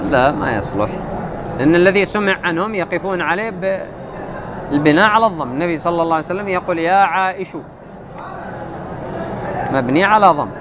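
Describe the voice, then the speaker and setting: A man teaching a classical text, reading passages slowly and quizzing his students with questions he then answers. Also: on the high side, animated. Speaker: grammar teacher. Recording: muffled, noisy with outdoor traffic.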